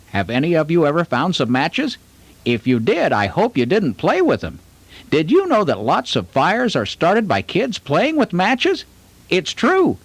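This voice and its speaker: A man's voice: a little high, dry recording. A man presenting fire safety to children in an exaggerated teacherly way. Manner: bright, exaggerated teacherly delivery. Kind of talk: talking to children.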